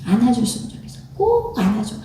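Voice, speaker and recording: A woman pastor with a high, mellow voice preaches in a loose, storytelling way and often quotes her own words. She sounds distant from the mic, and her voice rings through a very echoey church hall. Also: sing-song, fast, a little hiss or hum. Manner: conversational storytelling, quoting herself and her family. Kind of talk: sermon. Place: church sanctuary.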